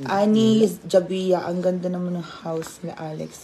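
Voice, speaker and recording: This voice belongs to a woman. It lands at a medium pitch. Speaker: vlogger. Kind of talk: livestream chat reading viewer comments. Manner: animated.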